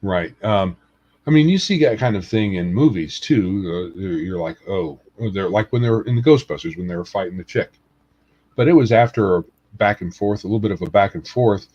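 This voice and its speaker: Deep husky man, lo-fi sound. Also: a little fast, warm tone. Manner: hesitant, many fillers. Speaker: podcast co-host. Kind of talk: casual podcast chat. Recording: dull lo-fi audio.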